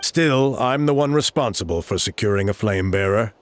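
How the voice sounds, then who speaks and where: A man's voice: on the low side, lively intonation, moderate pace, no room sound, natural voice. An actor playing an earnest male tribal elder recruiting a hero, in a video game. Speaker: village elder.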